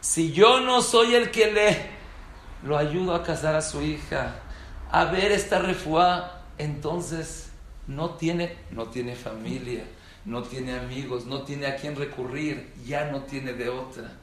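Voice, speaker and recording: A man delivering a Jewish sermon, telling stories with sudden loud bursts of emphasis and lively shifts in his voice. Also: medium pitch, slow pace. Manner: animated storytelling with sudden loud emphatic peaks. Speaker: rabbi. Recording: echoey room with faint background hiss.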